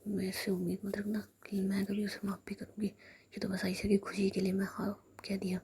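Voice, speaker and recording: A woman's voice: mid-range voice, completely flat delivery, moderate pace, a little mellow, slight background noise, natural voice. A woman whispering the lines of a short-tempered, irritable young woman, curt and grumbling. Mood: grumpy.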